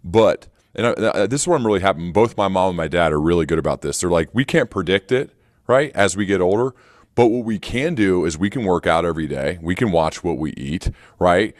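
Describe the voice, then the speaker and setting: A man's voice: low voice, expressive, fairly quick, no echo, studio quality. A man hosting a podcast, speaking conversationally and emphatically, repeating phrases to press his point. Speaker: podcast host. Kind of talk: conversational interviewing.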